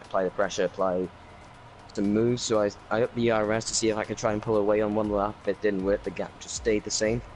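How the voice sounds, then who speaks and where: A Welsh man talking through his race as a league driver in a casual interview, rambling with many fillers and speeding up when excited. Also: fairly low pitch, fairly quick, a little hiss or hum, low-quality recording. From Wales.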